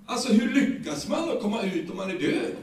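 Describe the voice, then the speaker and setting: A man with a Swedish accent preaching a sermon, retelling the story in lively everyday speech with many repeated words. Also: high-pitched. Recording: echoey, distant room sound.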